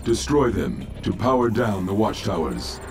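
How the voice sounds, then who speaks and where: Impassive low-voiced military battle computer. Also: male voice, very animated, unhurried. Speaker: in-game mission announcer. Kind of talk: clipped scripted game announcements. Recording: loud music over game battle noise.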